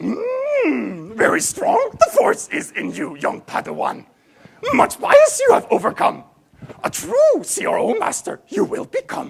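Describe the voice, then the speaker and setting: Fairly slow and extremely high-pitched, a put-on character voice comes through with a gentle tone. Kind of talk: inverted Yoda-like syntax. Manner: wise, gentle, croaky.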